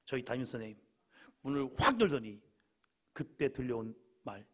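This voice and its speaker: A male pastor preaching a Friday evening sermon, telling stories and acting out quoted lines, sometimes shouting and sometimes dropping to a quiet aside. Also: mid-range voice, animated, moderate pace, slightly rough.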